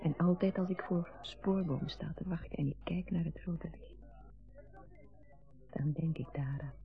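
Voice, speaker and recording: An actress playing a wistful, reproachful grown daughter with a husky voice in a naturalistic radio drama. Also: female voice, deep voice, measured pace. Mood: wistful, hurt. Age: adult. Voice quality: husky, breathy. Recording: dull lo-fi radio recording with music.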